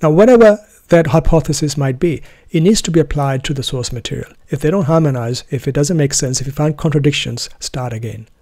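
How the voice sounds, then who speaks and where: A man whose first language is Urdu gives an earnest, deliberate solo talk about his method of study, often restarting phrases to stress a point. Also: a little high, warm tone, no echo, studio quality. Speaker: Quran student presenting his method.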